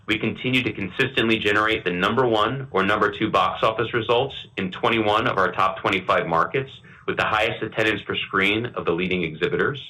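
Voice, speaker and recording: Man, lowish pitch, forceful bright tone, scripted executive presentation, formal, measured. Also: rough recording. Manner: formal, measured corporate delivery. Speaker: company executive. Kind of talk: scripted earnings call presentation.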